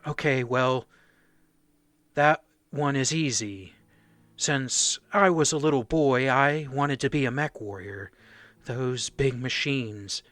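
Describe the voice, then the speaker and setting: A man playing a shaken, nervous mercenary foot soldier who gives halting, stammering testimony in a radio play. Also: mid-range voice, fairly bright tone, dry recording. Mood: haunted recollection. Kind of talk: radio play dramatic monologue.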